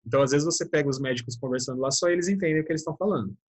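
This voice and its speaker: A man's voice: a little high, very fast, slightly rough. A man with a Brazilian Portuguese accent teaching a casual online class, chatty and informal, constantly checking in with his students. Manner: chatty, keeps adding "né?" and addressing students as "galera".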